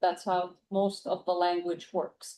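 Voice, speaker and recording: A woman speaks with an Arabic accent. Her voice has a dark, mellow tone. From Lebanon. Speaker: education researcher. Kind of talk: conference presentation.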